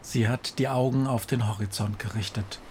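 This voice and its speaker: A man reading a fairy tale aloud in a measured, solemn way that slows down for dramatic moments. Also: lowish voice, fairly even intonation, a little mellow, a little hiss or hum. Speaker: narrator. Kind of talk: scripted storybook narration.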